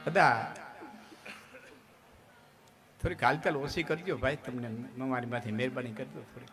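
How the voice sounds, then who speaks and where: This Kathiawadi Gujarati–accented man speaks at a moderate pace in a steady, mid-range voice over music, telling humorous folk stories to a live stage audience. A chatty, joking folk storyteller, he often checks in with listeners amid the crowd noise.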